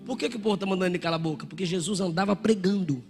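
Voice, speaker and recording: A man preaching a Pentecostal sermon in a church, animated, often shouting and acting out voices from the crowd. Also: high-pitched, rapid-fire. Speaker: pastor. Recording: church hall reverb with music.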